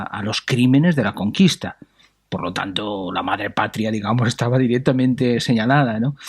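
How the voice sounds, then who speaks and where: A man from Spain interviews a church figure, asking probing questions in a conversational tone. His voice is slightly husky at an ordinary pitch.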